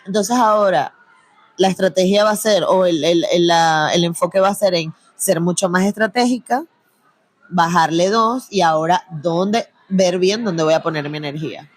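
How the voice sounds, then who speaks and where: A young adult woman with a Venezuelan Spanish accent, talking casually as an interview guest, chatty and quick to laugh, with slang. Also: lowish voice. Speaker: guest, producer and antiracism content creator.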